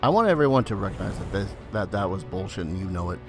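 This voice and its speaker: An animated let's play host with a low voice talks fast, mixing casual commentary with muttered asides, mild swearing and occasional read-aloud game text. Video game music plays behind him.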